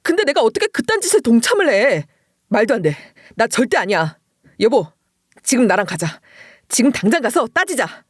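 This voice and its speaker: A woman voicing an exasperated young husband, normally quiet and reserved, who pleads and then shouts in frustration as she dramatizes a story reading. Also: on the high side, big pitch swings, normal speed, breathy edge, no room sound, studio quality. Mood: pleading.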